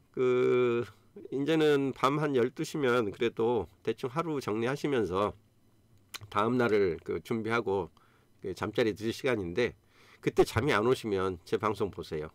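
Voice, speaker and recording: A man's voice: mid-range voice, no echo. Earnest Korean man in his fifties. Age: 50s. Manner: earnest, encouraging, many fillers. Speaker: YouTube host. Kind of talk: casual live-stream talk.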